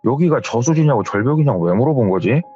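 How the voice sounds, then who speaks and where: A man's voice: mid-range voice, lively intonation, fast talker, warm tone, muffled recording, faint music behind, close to an everyday voice. A man voicing a bewildered, timid young employee who answers hesitantly. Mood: puzzled. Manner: hesitant, flustered replies.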